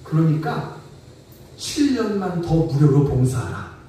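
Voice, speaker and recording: A scheming old father giving curt orders in a low, stern voice, as a preacher puts him on. The sound is mellow and carries the heavy echo of a church hall, picked up from far off with a faint hiss. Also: sing-song, unhurried. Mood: commanding.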